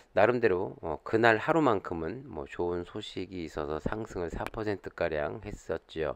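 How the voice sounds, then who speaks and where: A man speaks at a fairly slow pace with a very deep, low pitch and vocal fry. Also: quiet background. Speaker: stock market YouTuber. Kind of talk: stock market commentary. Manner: many fillers, hesitant.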